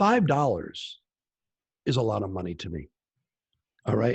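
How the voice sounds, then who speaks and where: A man speaks at a fairly slow pace in a somewhat breathy voice. His pitch swings very widely. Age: 60s. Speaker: practice management consultant. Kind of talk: podcast interview. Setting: recorded on video for podcast.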